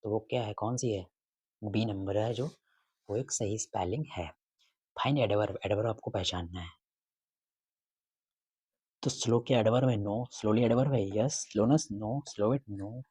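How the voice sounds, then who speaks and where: A man with a low, slightly husky voice works through exam questions in a casual lesson. He repeats each item and quizzes his listeners as he goes. The recording is close and dry, with no room echo. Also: moderate pace, pauses often, dark tone. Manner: repeats questions and answers, asks students rhetorically. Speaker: exam prep teacher.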